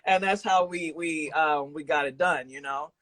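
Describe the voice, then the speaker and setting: A man hosting a casual interview, talking informally with slang and a halting, thinking-aloud delivery. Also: a little high, fairly bright tone, dry recording, rough recording. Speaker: podcast host interviewing an audio drama creator.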